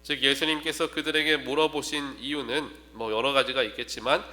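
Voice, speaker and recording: A male pastor giving an early-morning prayer sermon, speaking earnestly and slowing down and lifting his voice when he voices the cries in the text. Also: mid-range voice, steady tone, sharp tone. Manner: earnest, slows and rises when quoting cries. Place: church.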